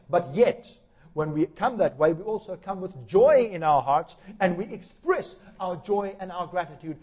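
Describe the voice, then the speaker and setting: A man lecturing from the pulpit in an earnest, measured way, leaning on key words for emphasis. His voice sits a little higher than most men's. The recording is dull and lo-fi. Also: a little mellow. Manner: measured, emphatic, reads scripture aloud. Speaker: lecturer on worship music. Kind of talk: sermon lecture.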